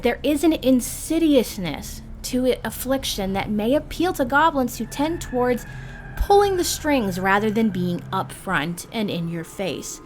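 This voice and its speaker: A woman hosting a video guide, reading scripted explainer narration in measured, explanatory phrasing. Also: on the high side. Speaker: host of a roleplaying guide video series. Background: background music.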